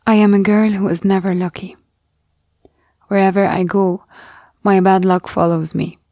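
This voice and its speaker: Gravelly, flat-voiced woman reading. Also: mid-range voice, normal speed, no echo. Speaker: reader of a monologue. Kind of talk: dramatic reading of a personal testimony.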